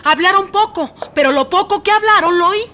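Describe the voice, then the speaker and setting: An actress playing a suspicious young domestic worker in a radio drama, with a blunt, accusing manner. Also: female voice, very high-pitched, brisk, bright, forceful tone, slight background noise. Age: young adult. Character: young live-in maid, suspicious and defiant.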